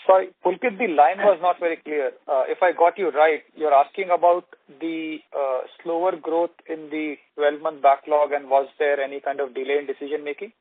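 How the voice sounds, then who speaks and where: A man giving halting, measured corporate answers as an executive on an earnings call. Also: a little high, steady tone, no room sound. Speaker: company executive answering analysts. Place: conference call. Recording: narrow, dry telephone conference line.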